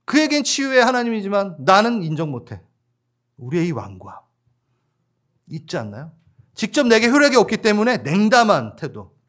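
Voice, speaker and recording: A man preaching a church sermon as pastor, lively and laughing along with the congregation while acting out voices. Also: high-pitched, normal speed, pauses often.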